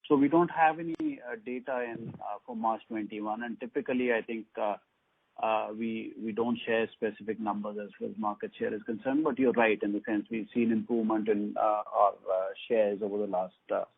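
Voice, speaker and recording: Low husky man on a conference call. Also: steady tone, dry recording. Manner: measured, hesitant with many fillers. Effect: conference call phone line. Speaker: company executive answering analysts. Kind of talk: earnings conference call answers. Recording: tinny dry phone line.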